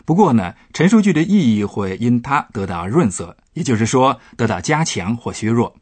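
A man's voice: medium pitch, sing-song, normal speed, darkish tone, breathy edge, no room sound. A man, a professor, patiently explaining German grammar points on a radio language lesson. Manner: patient, explanatory, stresses example words.

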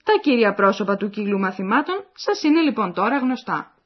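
A woman's voice: medium pitch, very animated, slightly rough. A woman reading the scripted narration of a language course, explaining and addressing the listeners. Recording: dull lo-fi recording.

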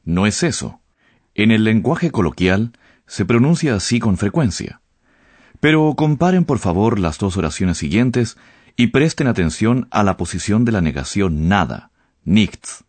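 A man explains grammar as a patient professor. His voice is very deep but moves lively in pitch. The sound is dry and close. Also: normal speed, dry recording. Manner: didactic, patient. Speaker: language professor.

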